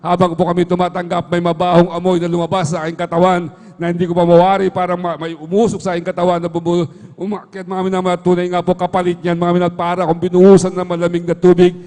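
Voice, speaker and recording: Man, church testimony, high flat voice, quick, earnest, long hall reverb. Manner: earnest, repeats a fond address to the listeners after nearly every phrase. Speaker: church member giving testimony. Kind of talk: testimony at worship service.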